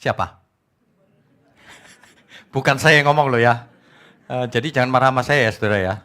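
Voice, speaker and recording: A middle-aged man preaching a sermon as pastor, animated, mocking and scolding in turn. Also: mid-range voice, moderate pace. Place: church.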